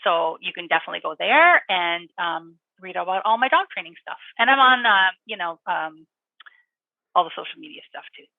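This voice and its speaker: A woman dog trainer and author chatting as an interview guest, animated and quick to laugh. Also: lowish voice, gravelly, dry recording, narrow, tinny audio. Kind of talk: interview guest, casual chat.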